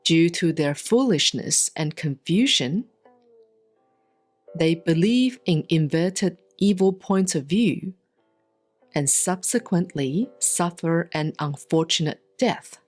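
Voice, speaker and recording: A woman giving a solemn, scripted reading of scripture in measured, deliberate phrases with frequent pauses. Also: lowish voice, animated, darkish tone, faint music behind. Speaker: sutra reader, Buddhist nun.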